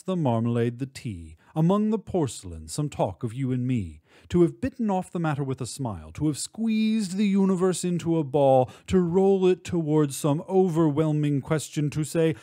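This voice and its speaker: A man giving an expressive, measured recitation of literary poetry, drawing out words for emphasis. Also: on the high side, no echo, studio quality. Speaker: poetry reader.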